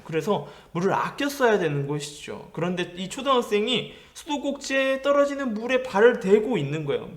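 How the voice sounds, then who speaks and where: Young male youth pastor from Gyeongsang, high light voice, gentle storytelling sermon. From Gyeongsang region. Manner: gentle storytelling with questions to listeners. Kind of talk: sermon to middle schoolers.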